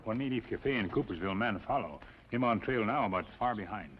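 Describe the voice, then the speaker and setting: A man's voice: on the low side, animated, fairly quick, close to an everyday voice. Stoic Native American sidekick in broken English, acted by a man. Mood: grave. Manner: terse, clipped broken English. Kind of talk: 1950s television western acting. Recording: dull old television soundtrack.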